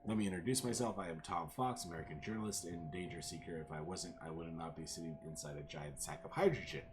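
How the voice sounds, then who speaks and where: An adventurous, danger-seeking American journalist in a game, read out by a man in his own voice, pitched low and deep. Game music plays clearly underneath. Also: fast, lightly acted. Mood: wry. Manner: read aloud in the streamer's own voice. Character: adventurous male American journalist, self-styled danger seeker.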